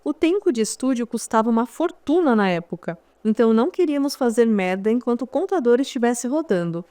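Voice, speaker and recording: An animated, fairly quick woman with a Brazilian Portuguese accent narrates her first-person memoir, her warm voice sitting a little high. The storytelling is conversational and laced with wry asides to the listener. Close-miked in a studio, the sound is dry and dead with no echo.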